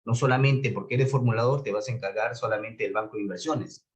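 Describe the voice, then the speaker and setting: A man's voice: mid-range voice, steady tone, fast. A man with a Peruvian Spanish accent teaching a class in a didactic way, stressing key words and checking that students follow. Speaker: course instructor. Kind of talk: online lecture on public administration.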